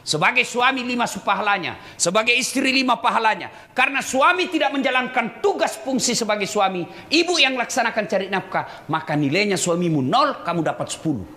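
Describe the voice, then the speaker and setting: A man's voice: high-pitched, animated, a little fast, bright, forceful tone. A man preaching a humorous sermon to a live audience, teasing and addressing listeners directly. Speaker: Islamic preacher. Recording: echoey hall with crowd noise.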